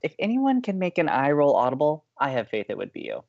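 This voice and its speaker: An earnest, teasing college radio co-host in a scripted audio comedy, sociable and keen on romance. The pitch swings in a lively way with theatrical emphasis, and the sound is slightly dull. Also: a little fast, gravelly, no echo. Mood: playful.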